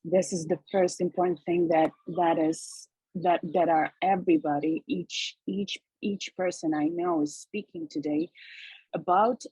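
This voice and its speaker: A woman from Ukraine giving reflective comments on a video call, haltingly searching for her words. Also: lowish voice, fairly even intonation, warm tone, husky, no echo, low-quality recording. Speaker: discussion participant.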